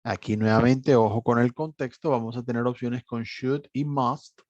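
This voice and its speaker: Man, steady explanatory teacher, dry muffled recording. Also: medium pitch, normal speed, no room sound. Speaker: English teacher. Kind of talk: online class walkthrough. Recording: dry, slightly dull recording.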